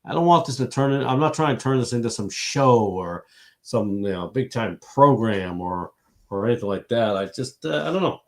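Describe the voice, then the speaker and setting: A man's voice: medium pitch, animated, normal speed, a little mellow. A man hosting a late-night Christian livestream, congested and tired, rambling with many fillers and restarts.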